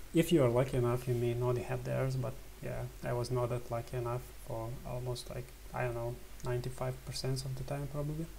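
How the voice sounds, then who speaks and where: There is noticeable background noise. A man talks at a fairly quick pace with long, frequent pauses. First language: not English. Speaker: software developer. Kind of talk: screencast tutorial. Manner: casual, hesitant, many fillers.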